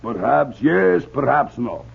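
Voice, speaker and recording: An actor playing a slow-witted, agreeable doorman in a radio drama, answering evasively in halting, broken English. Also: mid-range voice, big pitch swings, gravelly, slightly rough, exaggerated voice. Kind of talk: 1940s radio acting. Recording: muffled old radio recording.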